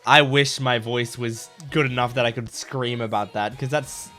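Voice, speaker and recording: Raspy, under-the-weather guy hosting a reaction channel, chatty and full of fillers, faint music underneath. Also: mid-range voice, normal speed. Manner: rambling, many fillers, excited exclamations while watching. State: sick with a lost, gravelly voice, coughing. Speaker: anime reaction YouTuber. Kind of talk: casual chat to camera, reacting to an episode.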